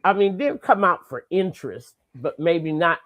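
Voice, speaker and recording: Lively opinionated woman talking football. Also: lowish voice, normal speed. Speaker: segment guest commentator. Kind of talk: casual sports chat.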